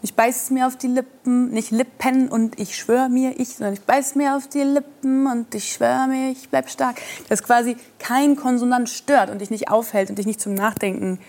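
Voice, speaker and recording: A woman's voice: on the high side, fairly even intonation, moderate pace, hardly any pauses, darkish tone. A woman in her forties, a singer, talking earnestly and reflectively as a guest on a talk show. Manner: earnest, reflective, searching for words.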